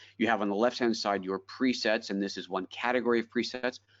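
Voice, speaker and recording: Talking at a very fast pace, a man keeps his fairly low voice in fairly even intonation. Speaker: photography webinar host. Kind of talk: software tutorial webinar. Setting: live webinar.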